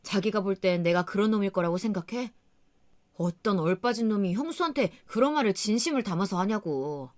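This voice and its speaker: A woman's voice: medium pitch, expressive, fairly quick, a little mellow, natural voice. A woman voicing an exasperated young husband who brushes off an accusation in blunt, dismissive talk.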